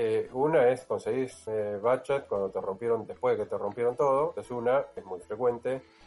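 A man at a moderate pace, with noticeable background noise behind him. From Latin America. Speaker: IT security expert. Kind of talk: casual chat.

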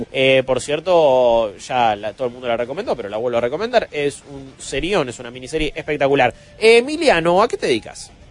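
Over noticeable background noise, a man with a Rioplatense accent and a fairly high pitch talks at a fairly quick pace with lively intonation, big swings in loudness and hardly any pauses. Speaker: gaming show host. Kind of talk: casual chat.

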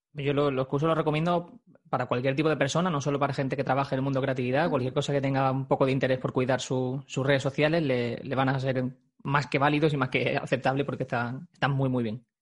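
This man talks very fast in a fairly high pitch, his intonation flat and monotone. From Málaga, Spain. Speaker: podcast host. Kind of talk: interview conversation.

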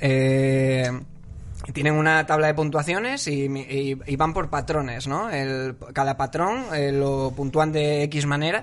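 A man's fairly high voice at a very slow pace, with fairly even intonation and noticeable background noise. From Asturias, Spain. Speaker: poet. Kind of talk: casual chat.

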